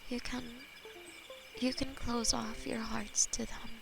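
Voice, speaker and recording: A woman voicing a possessive, tender female demon lover, whispering softly and haltingly in an audio roleplay. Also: a little high, gravelly, music in the background. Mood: devoted. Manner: soft intimate whispering, halting. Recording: steady cricket and night noise behind.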